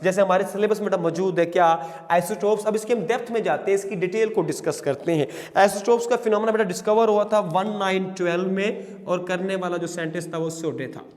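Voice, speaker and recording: A male teacher gives a classroom lecture in a fairly high voice. He keeps asking his students questions and then answers them himself, and he slows down to dictate definitions word by word. The reverberant room carries a long echo behind him. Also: a little mellow. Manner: addresses students as "beta", asks and answers own questions.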